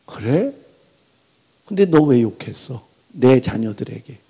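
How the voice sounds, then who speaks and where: A man voicing God in a sermon retelling, speaking low and hushed with a heavy, grieved firmness. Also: very animated, slow pace, slightly rough, in a large hall, full character voice. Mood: questioning. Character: stern yet tender God, older male, grieved.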